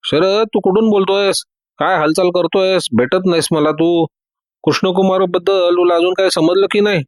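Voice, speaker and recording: A man's voice: high voice, fairly even intonation, normal speed, no room sound, studio quality, pitched above the performer's own voice, lightly acted. A man voicing a flustered middle-aged police inspector who fires off agitated questions.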